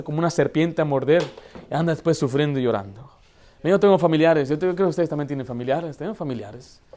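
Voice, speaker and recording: A man's voice: on the high side, a little mellow. A male pastor preaching in church with a voice that sits a little above the usual male range. He talks to the congregation directly, emphatic and conversational. He keeps tossing rhetorical questions at them. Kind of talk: Baptist sermon.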